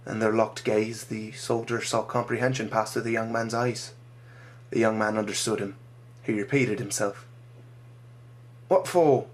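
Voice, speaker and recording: A man reading his own dramatic short story aloud, measured and slowing for grim moments. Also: on the low side.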